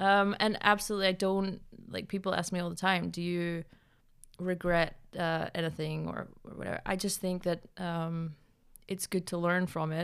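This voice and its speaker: On a very clean recording with a silent background, a woman speaks at a moderate pace in a monotone, flat intonation with a fairly low pitch. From Britain. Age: 30s. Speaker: former ski racer and gym owner. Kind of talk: casual interview.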